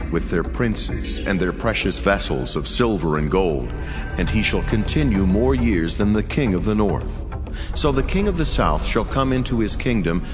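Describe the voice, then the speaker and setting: An actor playing a mighty angelic messenger in a dramatized scripture reading, speaking in grave, measured, archaic oratory with solemn command. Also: male voice, on the low side. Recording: long cathedral-like reverb, music underneath. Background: background music.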